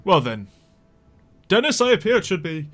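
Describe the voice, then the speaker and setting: A man's voice: high voice, sing-song, normal speed, a bit bright, soft background music, voice pushed up, full character voice. A man playing a haughty witch-hunting knight loyal to the crown, speaking in pompous, archaic phrases for a tabletop game. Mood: resigned.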